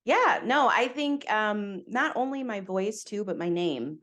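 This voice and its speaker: An American woman appears as a guest on a podcast in a relaxed interview. She talks candidly and with animation, her mid-range voice keeping a measured pace.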